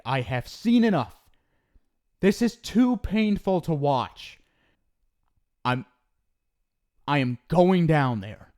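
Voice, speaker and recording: A man's voice: a little high, darkish tone. A man voicing an exasperated male ghost soulmate from the afterlife who swears while scolding and stumbles over restarts when he explains himself, in an ASMR roleplay.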